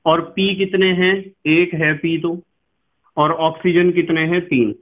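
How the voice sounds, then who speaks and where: Guy teaching chem, kinda high voice, asks the class stuff then answers it himself, spells words out slow, sounds tinny like a phone. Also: steady tone. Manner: patient, asks students questions and answers them; spells terms out slowly. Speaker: chemistry teacher. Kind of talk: classroom lecture.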